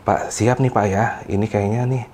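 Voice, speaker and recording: A man's voice: lowish voice, steady tone, normal speed, mellow, a little hiss or hum, natural voice. A man voicing a young companion who senses spirits, murmuring urgent warnings to his leader. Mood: urgent hushed.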